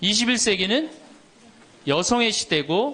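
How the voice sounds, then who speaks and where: A man speaks fairly slowly in a raised, projected voice with very wide pitch swings. Noticeable background noise runs beneath him. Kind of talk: lecture to a live audience.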